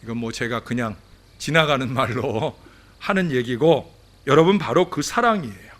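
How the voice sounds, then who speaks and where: A man preaching an earnest sermon as pastor in a church, moving between hushed and emphatic. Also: mid-range voice, expressive, moderate pace. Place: church sanctuary.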